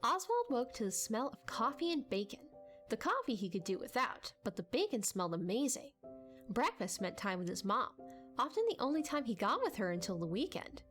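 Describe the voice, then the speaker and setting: High-pitched, animated woman narrator. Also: fairly quick, faint music behind. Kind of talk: expressive dramatic audiobook narration.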